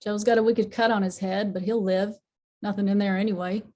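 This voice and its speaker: Actress as foul-mouthed matriarch, drama, mid pitch, mellow timbre, blunt, folksy. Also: female voice, little pitch movement, fairly quick, natural voice. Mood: brusque. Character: Ma, tough, curt, foul-mouthed small-town matriarch. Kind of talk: scripted drama table read.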